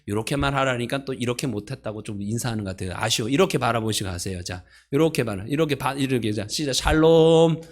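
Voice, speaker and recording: A man's voice: medium pitch, quick pace, hardly any pauses. Chatty male pastor preaching. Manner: conversational, asks the congregation questions; playful, laughs at his own jokes. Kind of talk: sermon. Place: church sanctuary.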